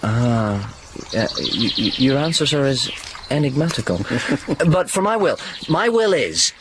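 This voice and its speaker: A man's voice: medium pitch, sing-song, a little slow, background noise. A man playing a stammering young nobleman. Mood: flustered. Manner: stammering, hesitant, with nervous laughs. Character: bashful witty young nobleman proposing.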